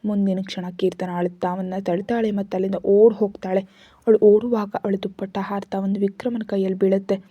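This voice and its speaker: A woman narrating a scripted story in a steady, even reading. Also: mid-range voice, a little fast, dry recording. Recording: dull lo-fi recording.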